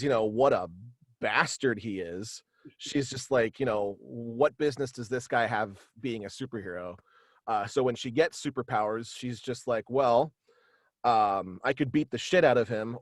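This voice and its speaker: Halting man with a dry, close sound. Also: mid-range voice, no echo. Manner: halting, meandering explanations. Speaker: guest, voice actor and writer. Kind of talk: casual interview, explaining his own story. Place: small indoor home setup, video call.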